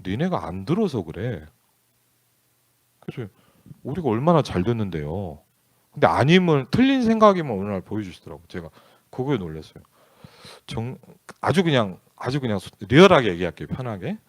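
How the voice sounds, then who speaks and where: Male pastor, mid pitch, animated delivery, dry close sound; chatty storytelling sermon with acted dialogue. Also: fairly quick, no echo. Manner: candid, conversational, acts out dialogue in quotes.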